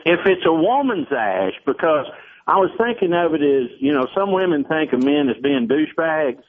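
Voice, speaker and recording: A man calling a radio show over the phone, chatting casually as he pitches a joking idea. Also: animated, normal speed. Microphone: telephone. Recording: narrow, tinny phone line.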